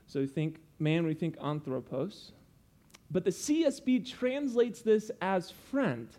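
An earnest young man preaches in a voice a little high for a man, slow and mellow with lively intonation. Like a teacher, he patiently walks the congregation through a lesson, with frequent asides.

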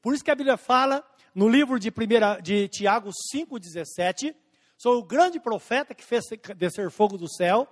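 High-voiced preacher in a reverberant hall. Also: male voice, lively intonation. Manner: preaching with emphatic rising and falling delivery, slowing on scripture quotes. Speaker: pastor. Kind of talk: sermon.

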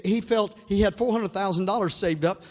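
Guy preaching loud, really high voice, big church reverb, half singing half shouting at the crowd. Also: fairly quick. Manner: fervent preaching with shouts and sung phrases; calls on the congregation for responses. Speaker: pastor. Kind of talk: sermon. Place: church sanctuary.

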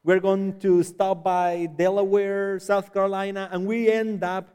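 A man in his thirties from Nicaragua, a Spanish native speaker with a Spanish accent, preaching in halting English with frequent restarts. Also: high-pitched, level tone, a little mellow, clear, resonant tone. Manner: halting, self-correcting second-language English. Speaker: visiting missionary preacher. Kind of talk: sermon with personal introduction. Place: church sanctuary. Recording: large hall with long reverb.

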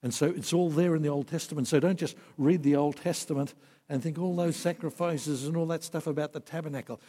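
A man preaching a sermon, earnest, swinging from emphatic peaks to soft, quiet passages. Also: on the high side, slightly rough. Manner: earnest, rising to emphatic then dropping soft. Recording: long hall reverb.

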